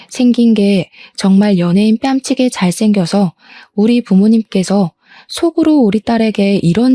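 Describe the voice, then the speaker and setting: Young woman narrator, mellow tone, chatty confiding first-person storytelling. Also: medium pitch, dry recording.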